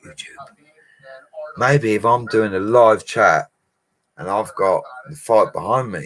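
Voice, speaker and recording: Speaking with an Essex accent, a man goes at a fairly slow pace, with long, frequent pauses and big swings in loudness. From Essex, England (Colchester, Mersea Island). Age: 40s. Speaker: bricklayer and YouTuber. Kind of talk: live stream chat. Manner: animated.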